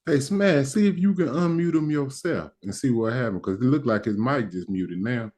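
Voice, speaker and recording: A man's voice: mid-range voice, lively intonation, moderate pace, darkish tone. An American man speaking African American Vernacular English, taking part informally in an online lesson discussion. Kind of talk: casual discussion.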